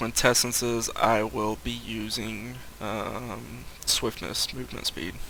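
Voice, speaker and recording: Noticeable background noise runs under a man who talks very slowly. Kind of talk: gaming commentary. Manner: casual, explanatory, with frequent filler 'um'.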